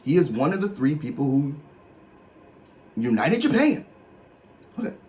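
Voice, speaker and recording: A man's voice: a little high, sing-song, unhurried, darkish tone, poor audio. A man in his thirties speaking African American English, explaining slang and reading out a list in an emphatic, mock-official comedic way with casual asides. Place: small room with posters, indoors.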